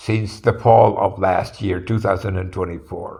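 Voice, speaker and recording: Somewhat breathy, a man speaks with a Finnish accent. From Finland. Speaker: video blogger. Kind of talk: monologue addressed to one person. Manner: halting.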